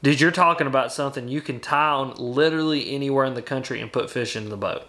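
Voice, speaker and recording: A young adult man arguing his case in an animated, emphatic way as a guest on a video call from home. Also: medium pitch, quick pace. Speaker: guest angler. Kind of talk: casual debate over a video call. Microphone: webcam on a video call.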